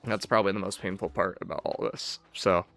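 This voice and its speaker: A man's voice: low voice, steady tone, fairly quick, creaky, fairly bright tone, no room sound. A man giving a casual, unscripted farewell commentary on a video game, speaking in a downcast, wistful, resigned way. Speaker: gaming channel streamer.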